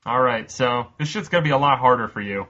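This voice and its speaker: A man's voice: mid-range voice, fast talker, bright, forceful tone, muffled recording. A man hosting a casual podcast quiz, reading out questions and answer choices and laughing often.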